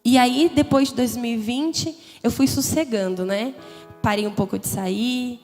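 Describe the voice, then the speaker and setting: A young woman with a São lilt and a slightly high voice shares her own story at a church youth congress, speaking a little slowly. Candid, conversational and emotional, she keeps adding "né?" tags. Her voice rings through a large hall with long reverb over faint, soft music.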